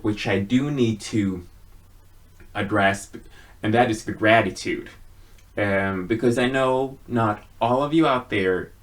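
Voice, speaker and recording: A man giving a casual personal monologue to viewers in an earnest, halting way, with frequent pauses. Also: fairly low pitch. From Sweden. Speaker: video blogger.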